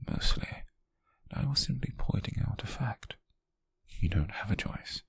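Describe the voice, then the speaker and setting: A British man playing a possessive, wealthy young yandere in an ASMR roleplay, coaxing haltingly in a breathy, husky whisper with soft menace. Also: on the low side, expressive, dry recording, full character voice.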